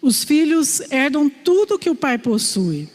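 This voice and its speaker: A woman from Brazil delivers a sermon in a warm storytelling manner, her voice sitting fairly high. The sound carries a long reverb from a church hall. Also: measured pace. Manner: storytelling, animated voices for quoted father. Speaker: preacher.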